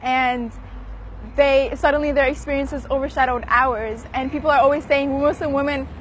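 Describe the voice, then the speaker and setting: A young woman from an Egyptian family, a lively storyteller who laughs while retelling encounters. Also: sits high, normal speed, a little hiss or hum, rough recording. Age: young adult. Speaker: university student interviewee.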